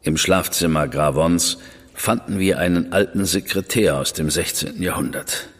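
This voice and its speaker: An actor playing a composed, sardonic Victorian spymaster who briefs an agent in a measured way. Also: male voice, low-pitched, in a large hall. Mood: briefing. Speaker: senior crown official briefing an agent. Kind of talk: studio radio drama acting.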